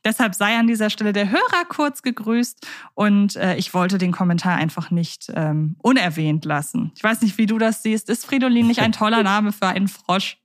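A woman's voice: medium pitch, moderate pace, no echo, clean studio sound. A woman co-hosting a podcast, chatting casually, asking questions with the odd ähm. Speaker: podcast co-host.

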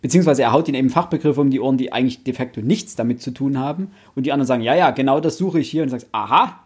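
A young man co-hosting a casual book podcast, talking in a playful, halting way and acting out examples. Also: mid-range voice, breathy edge. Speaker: podcast co-host.

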